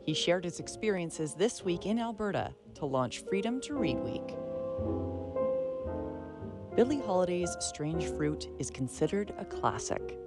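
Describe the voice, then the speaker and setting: A woman's voice: fairly low pitch, sing-song, measured pace, loud music behind the voice. A woman hosting a radio arts show, reading scripted narration.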